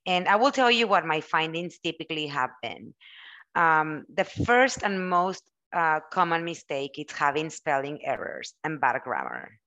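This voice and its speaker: A woman's voice: sits low, big pitch swings, unhurried, pushed and bright, dry recording, lo-fi sound. A woman from Mexico with a Mexican Spanish accent, a native Spanish speaker, giving earnest, explanatory interview answers as an HR recruiter. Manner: earnest, explanatory, lists examples. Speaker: guest HR professional and recruiter.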